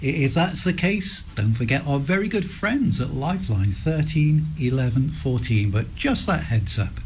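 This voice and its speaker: A man hosting a radio interview in a studio, speaking gently and summing up his guest's answers. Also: medium pitch, lively intonation, moderate pace, slight background noise. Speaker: radio host. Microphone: studio microphone.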